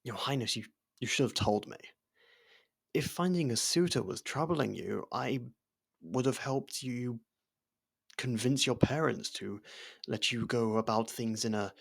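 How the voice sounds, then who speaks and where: A man playing a loyal servant and close friend to royalty in an ASMR roleplay, hesitant, deferential and familiar, gently teasing. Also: medium pitch, unhurried, vocal fry, pauses often. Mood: concerned, hesitant. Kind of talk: ASMR roleplay audio drama.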